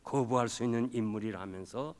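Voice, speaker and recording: Male pastor telling a story in a sermon, does the voices, goes loud then soft, big church reverb. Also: mid-range voice, fairly quick. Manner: acts out quoted voices, swinging loud and soft. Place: church sanctuary. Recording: long hall reverb.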